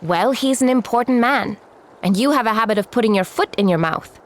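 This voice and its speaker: A woman's voice: on the high side, fairly quick, lightly acted. An actress playing a sensible, exasperated female companion in a video game, pointed and sceptical.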